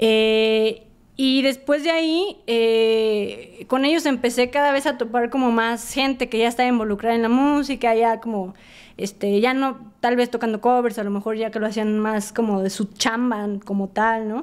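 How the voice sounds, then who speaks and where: Delivered at a fairly slow pace, the speech has fairly even intonation and a Mexican accent. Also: woman, fairly high pitch for a woman. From San Luis Potosí, Mexico. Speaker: singer and music producer; podcast guest. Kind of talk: casual interview. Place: studio. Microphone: studio mic.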